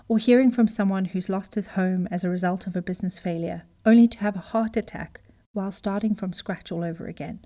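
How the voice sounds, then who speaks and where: Woman, from Zimbabwe, business coach, mellow voice, emphatic, motivational talk. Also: mid-range voice. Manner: earnest, emphatic, direct address.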